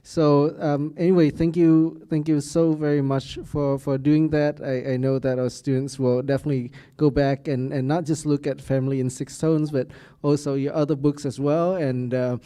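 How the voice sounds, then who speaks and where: A man hosting a university speaker series, effusive in his thanks and halting, with many fillers and stammers. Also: fairly high pitch, flat delivery, warm tone, clear, resonant tone. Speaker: university host.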